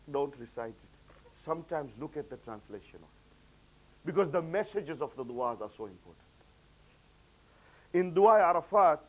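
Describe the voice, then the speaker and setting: A man with a noticeably high-pitched voice delivers a sermon to a gathering. He climbs higher and louder when quoting, then sinks into soft, low asides. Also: rough recording. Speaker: preacher. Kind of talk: religious lecture.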